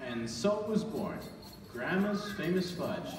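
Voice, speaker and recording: A man's voice: a little high, sing-song, takes it slowly. A man playing a nostalgic narrator, telling his childhood story in a scripted radio play. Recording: echoey church hall, distant, clearly noisy.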